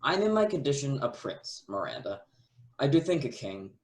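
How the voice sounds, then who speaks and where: A man's voice: medium pitch, very animated, normal speed. A man playing a humble, devoted young prince in love, declaiming courtly verse in a Shakespearean radio play. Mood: adoring, earnest.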